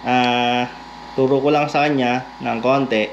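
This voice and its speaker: A Filipino man talks like a vlog host showing something to a buddy, informal and joking. His voice sits at a middle pitch. The recording is slightly dull, with clear ambient noise behind him. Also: flat delivery, unhurried. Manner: jokey, informal, addresses listener as brother. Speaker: vlog host giving away and demonstrating a product. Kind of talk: casual chat and hands-on demonstration. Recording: noisy lo-fi recording with vehicle ambience.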